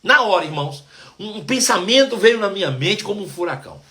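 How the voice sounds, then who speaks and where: High-voiced Brazilian pastor telling his testimony. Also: lively intonation, fairly quick. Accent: Brazilian Portuguese. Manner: emotive storytelling, shifting between hushed and loud. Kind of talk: sermon testimony.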